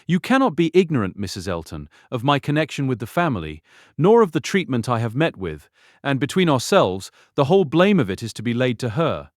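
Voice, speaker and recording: An actor playing a talkative, sanguine older gentleman in a period audiobook drama, speaking in a genteel, rambling, effusive way. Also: mid-range voice, big pitch swings, a little fast, no room sound, studio quality, natural voice. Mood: confiding, aggrieved. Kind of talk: full-cast audiobook period drama acting.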